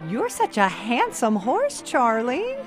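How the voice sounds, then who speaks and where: A woman playing a kindly but stern elderly grandmother, gently firm and compassionate, in an audio drama. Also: a little high, huge pitch swings, slow pace, music in the background, exaggerated voice. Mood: tender. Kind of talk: cinematic audio drama roleplay.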